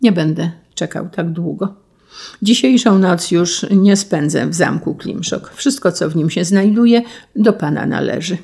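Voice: medium pitch, a little slow, vocal fry, darkish tone, husky. A reader voicing a proud young count who gives up his name and estate, dignified and firm in an audiobook reading.

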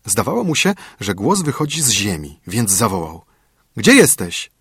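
Husky guy reading a fairy tale, lively ups and downs, dry close sound. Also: fairly low pitch, normal speed, no room sound. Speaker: narrator. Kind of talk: storybook reading.

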